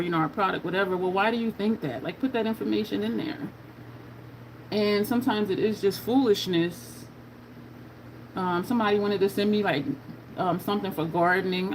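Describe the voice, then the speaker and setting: A woman's voice: medium pitch, slight background noise, poor audio. A woman in her fifties chatting candidly while doing her makeup, answering viewer questions in a frank, conversational way. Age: 50s. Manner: candid, chatty, reading viewer comments aloud. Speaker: makeup vlogger.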